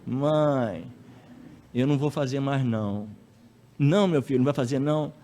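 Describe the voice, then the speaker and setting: A man voicing a spoiled little boy who pleads in a soft, whiny little voice. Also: medium pitch, moderate pace, slight background noise, natural voice. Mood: pleading.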